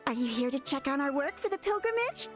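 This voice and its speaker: A woman's voice: sits high, sing-song, fast talker, over music. A woman voicing an eager, earnest young clan worker in a game, reassuring her visitors. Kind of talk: game voice acting.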